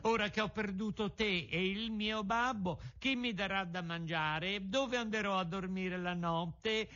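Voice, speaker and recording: A wooden puppet boy, voiced by a man, with a thin, lifted voice that keeps breaking into pleas and sobs. He is impulsive and childlike. The audio is muffled and lo-fi. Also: fairly bright tone. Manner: high, sobbing, pleading. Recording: dull lo-fi audio.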